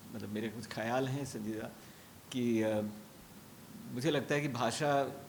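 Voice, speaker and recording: Audible room echo surrounds the recording. A man speaks with ordinary pitch variation. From India, Kolkata. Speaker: poet and science teacher. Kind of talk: informal address to audience. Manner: halting, many fillers.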